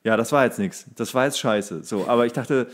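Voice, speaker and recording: A man's voice: mid-range voice, fairly quick. A man in his thirties co-hosting a podcast, casually telling anecdotes and acting out quotes as he goes. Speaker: podcast co-host; actor.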